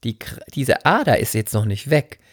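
A man's voice: mid-range voice, big pitch swings, normal speed, husky, dry recording, studio quality. A man from the Palatinate, co-hosting a podcast, who tells stories animatedly and dramatically with self-mocking humor. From Palatinate, Germany. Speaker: podcast co-host. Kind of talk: casual chat.

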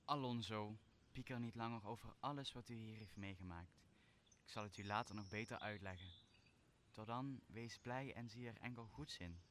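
A man playing a solemn, commanding exiled magician in a Shakespearean radio play, speaking in a measured way. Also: fairly low pitch, a bit bright, slight background noise, natural voice. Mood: solemn, reassuring. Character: commanding exiled magician, stern yet forgiving master. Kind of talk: stage-like Shakespearean radio drama.

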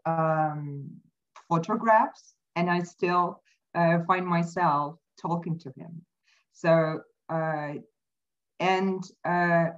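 A woman whose first language is not English, speaking as an interview guest, thoughtful and halting with many fillers. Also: on the low side, lo-fi sound. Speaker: podcast guest. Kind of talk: casual interview talk. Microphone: remote call mic.

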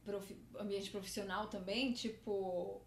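A woman's voice: mid-range voice, steady tone, unhurried, vocal fry. A woman co-hosting a podcast in casual chat, hesitant and searching for words as she thinks aloud. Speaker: podcast co-host. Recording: roomy with faint noise.

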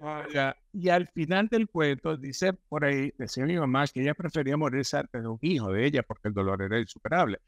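A man's voice: medium pitch, a little fast, few pauses, no room sound. A man as a podcast guest, telling stories emphatically and repeating himself. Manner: emphatic, repetitive storytelling. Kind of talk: casual spiritual conversation.

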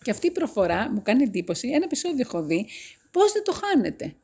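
Woman interviewer, breathy, mellow tone, chatty and talks over her guest. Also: a little high, big pitch swings. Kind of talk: casual interview chat.

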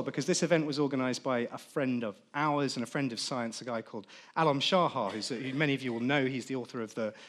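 A man chairing a live panel discussion, joking and self-deprecating. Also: mid-range voice. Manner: jokey, self-deprecating, with laughs.

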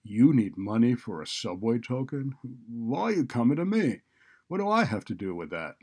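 A man voicing a callous, sarcastic male college dean in a story, loud and exasperated. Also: medium pitch, big pitch swings, moderate pace, breathy edge, pitched above the performer's own voice. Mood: sarcastic, angry. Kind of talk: audiobook character dialogue.

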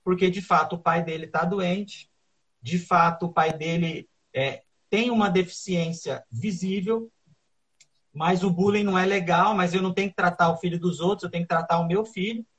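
Guy, high husky voice, telling a story in an interview, lots of fillers and starting over. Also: steady tone, fairly bright tone, poor audio. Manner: halting, many fillers and restarts. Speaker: interview guest. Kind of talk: conversational storytelling.

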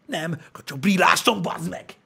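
A man's voice: high voice, gravelly, sharp tone, husky. A man in a casual chat, talking bluntly and profanely in heated rants.

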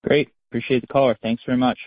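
A man's voice: medium pitch, flat delivery, fast talker, dry recording. A man asking a question as an analyst on an earnings call. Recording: dull, dry phone call audio.

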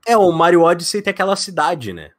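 A young man from Brazil, a podcast guest and video editor, talking in a fast, excitable way full of slang. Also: sits high, no room sound, studio quality. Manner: excitable and talkative, heavy slang. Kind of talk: casual podcast chat.

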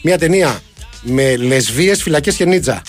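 A man's voice: on the high side, lively intonation, soft background music. A man co-hosting a comedy talk show, teasing his partner in playful, mock-serious banter. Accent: Greek. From Greece. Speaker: co-host.

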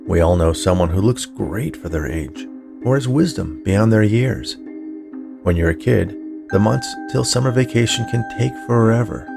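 A man's voice: lowish voice, expressive, moderate pace, creaky, over music. A man hosting his fiction podcast, reading scripted introductions and stories in an audiobook style. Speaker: podcast host, writer and narrator.

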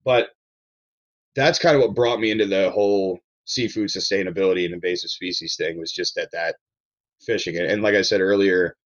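A low-voiced man from Maryland chats on a podcast, circling back over his words and swearing bluntly now and then. The sound is dull and a bit lo-fi. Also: fairly quick. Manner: rambling, animated, with frequent restarts and blunt swearing. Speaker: podcast guest, chef. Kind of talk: casual podcast chat.

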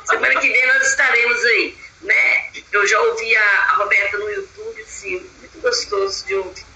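A woman hosting an online group in a chatty, affectionate way, full of drawn-out fillers, over a video call. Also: fairly high pitch, lively intonation, bright, forceful tone, reverberant, poor audio. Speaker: group host.

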